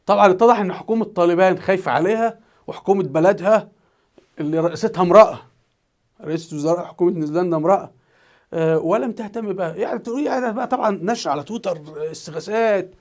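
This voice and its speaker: Fast, high-voiced Egyptian man. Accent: Egyptian Arabic. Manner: animated, acts out quoted voices. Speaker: teacher commenting on news. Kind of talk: storytelling commentary.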